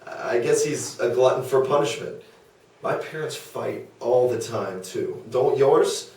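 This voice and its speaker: A gossipy, rambling man of ancient Greece, read by a man at a table read, talks in a medium pitch. The comedy dialogue is picked up from far off in a very echoey room. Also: a little slow, darkish tone, close to an everyday voice. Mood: chatty. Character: chatty gossiping ancient Greek man, admirer of Socrates. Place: small meeting room around a table. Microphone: far camera or table recorder. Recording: very echoey meeting room, distant mic.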